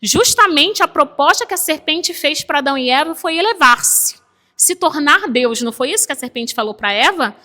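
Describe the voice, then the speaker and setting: São woman preaching, bright voice, chatty and emotional, lots of echo from the church. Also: high voice, lively intonation, moderate pace. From Brazil. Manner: emotional, conversational, frequent "né?" asides. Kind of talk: sermon with personal story. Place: church chapel.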